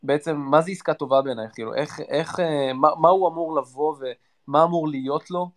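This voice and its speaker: A man with an Israeli accent interviewing casually, informal and halting as he builds his questions. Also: fairly high pitch. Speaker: interviewer, host.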